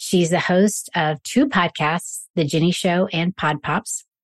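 Against a quiet background, a woman speaks at a medium pitch with ordinary pitch variation and a warm, enthusiastic tone. The sound is dry and close, with no echo. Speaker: podcast host and entrepreneur. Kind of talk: podcast interview and scripted intro.

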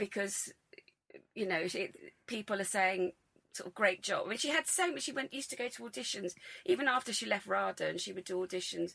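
A woman with a bright, sharp tone and a medium pitch talks at a fairly quick pace with lively intonation and vocal fry. Her speech has long, frequent pauses. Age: 60s. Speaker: podcast guest, parent. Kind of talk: casual chat.

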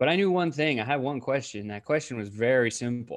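Over a quiet background, a man with an American accent talks at a fairly quick pace and medium pitch in an energetic tone. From Colorado, US. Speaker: sales coach and entrepreneur. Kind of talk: casual interview chat.

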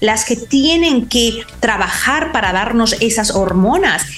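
Over music in the background and audible room echo, a woman speaks at a fairly slow pace with a fairly high pitch. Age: 40s. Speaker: naturopathic doctor. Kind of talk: casual chat.

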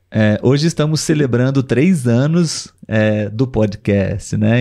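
A man with a Brazilian accent, medium pitch and a dark, mellow tone, lively intonation at a fairly slow pace against a quiet background. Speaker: podcast host and language teacher. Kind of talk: live stream chat with listeners. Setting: online video call.

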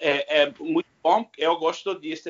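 Lively intonation and a high pitch carry a man's very slow speech in an American accent. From California. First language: English (speaking Portuguese). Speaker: high school Spanish teacher, language learner. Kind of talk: language lesson conversation. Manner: halting, many fillers.

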